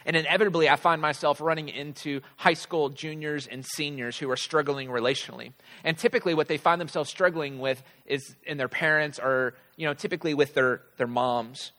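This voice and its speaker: A man's voice: a little high, a bit bright. A man preaching a conversational sermon, emphatically repeating his key phrases for effect. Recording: large hall with long reverb.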